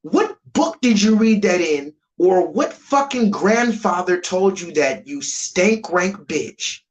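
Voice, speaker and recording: A man's voice: sing-song, takes it slowly, rough recording. Heated, profane man ranting on a live stream. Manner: swings between loud high bursts and low mutters. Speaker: livestreamer.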